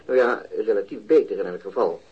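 Cautious physician: lowish dark voice, hesitant, pedantic phrasing, muffled tape sound. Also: male voice, a little fast, husky. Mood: hesitant, dry. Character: evasive, pedantic male physician, dryly cautious. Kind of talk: radio drama dialogue. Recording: dull taped playback.

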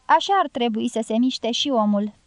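A woman reading the part of a tipsy male gypsy guerrilla who keeps urging in a low, insistent voice. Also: no room sound, lightly acted. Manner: urgent low prodding, half-whispered.

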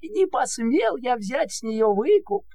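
A man's voice: very high voice, sing-song, slow, dark tone, no room sound, studio quality, exaggerated voice. An actor playing a meek, plaintive old fisherman in a fairy-tale audio play, pleading in a deferential singsong. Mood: wondering. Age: older.

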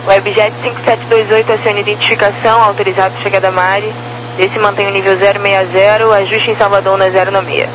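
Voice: mid-range voice, flat delivery, a little fast. A Brazilian air traffic controller giving procedural instructions over aviation radio. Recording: noisy radio with mains hum.

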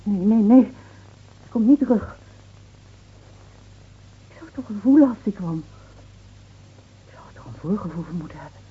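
An actress playing a bitter, grieving village wife in an intense, emotional radio drama. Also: female voice, medium pitch, expressive, normal speed, pauses often, husky. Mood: anguished, despairing. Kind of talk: Dutch radio drama acting. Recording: muffled, phone-like old radio recording.

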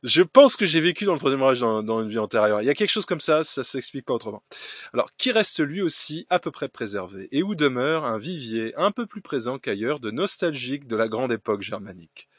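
Husky-voiced man reading letters aloud. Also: medium pitch, sing-song, a little fast, fairly bright tone, dry recording, studio quality. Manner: hesitant reading with fillers and restarts, ironic asides. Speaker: podcast host.

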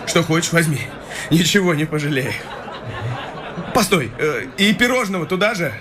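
A man's voice: on the high side, expressive, moderate pace, a crowd in the background, lightly acted. An actor playing a young male clerk in a radio play, fawning and tipsy, boasting expansively with laughs in his voice. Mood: boastful.

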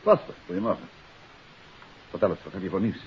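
An actor playing a composed, astute amateur detective in a 1950s radio drama, speaking in a measured, confident, matter-of-fact way. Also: male voice, deep voice, very animated, gravelly, full character voice. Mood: businesslike. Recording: dull, hissy 1950s radio recording.

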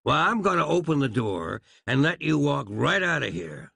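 A man's voice: on the high side, very animated, normal speed, gravelly, sharp tone, husky, no echo, studio quality, voice pushed up, heavily acted. A man voicing a pompous frontier marshal. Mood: menacing. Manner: pompous, folksy frontier speech. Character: grandiose vengeful Old West marshal, middle-aged man.

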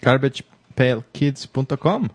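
A man with a Salvadoran accent co-hosts a relaxed podcast and reads listener comments off a screen. He throws in playful English phrases. His voice sits in a mid range and sounds close and dry, with no room echo. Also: mid-range voice, measured pace. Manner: joking, drops English phrases. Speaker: podcast co-host. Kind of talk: casual chat, reading listener comments.

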